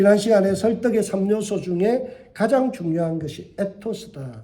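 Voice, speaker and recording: A man with a high pitch and a dark, mellow tone, with lively intonation at a moderate pace. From Gyeongsang region, South Korea. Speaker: pastor. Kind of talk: sermon. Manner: sounds angry when voice rises.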